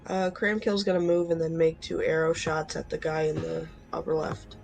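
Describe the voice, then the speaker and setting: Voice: medium pitch, steady tone, moderate pace, creaky, a little mellow, soft background music, poor audio. A tabletop game player casually announcing their character's moves. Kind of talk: casual in-game chat, hesitant fillers.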